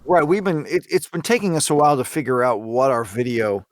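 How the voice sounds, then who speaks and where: A man of middling pitch talks in a casual podcast chat. He is earnest and halting, feeling for each word, and the recording is close and dry. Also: lively intonation, no room sound. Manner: halting, searching for words, earnest. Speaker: podcast team member.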